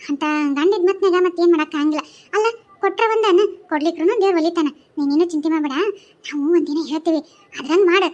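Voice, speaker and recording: A woman's voice: very high voice, lo-fi sound. A woman voicing a confident village woman in a cartoon who gives firm, soothing advice, with a North Karnataka Kannada accent. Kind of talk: cartoon voice acting.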